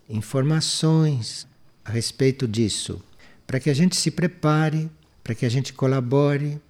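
A Brazilian spiritual teacher speaks in a mid-pitched, slightly mellow voice. He takes questions and answers them didactically, in a measured, explanatory manner, as in a spiritual talk.

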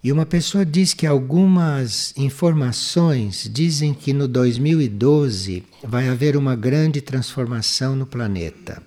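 A Brazilian man speaks in a mid-pitched voice as a spiritual teacher. His delivery is measured and explanatory. He takes questions and answers them in a didactic way, as in a spiritual talk. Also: warm tone.

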